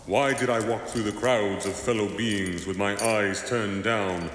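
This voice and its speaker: An actor playing a mournful, doom-laden ghost of a dead businessman in a slow, solemn radio drama style. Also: lowish voice, fairly even intonation, fairly bright tone. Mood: anguished, lamenting. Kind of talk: theatrical radio drama acting. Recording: cavernous echo and reverb, background noise.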